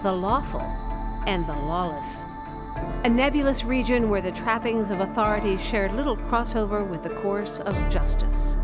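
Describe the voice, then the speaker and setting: Grave woman narrating over music. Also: mid-range voice. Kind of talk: scripted narration.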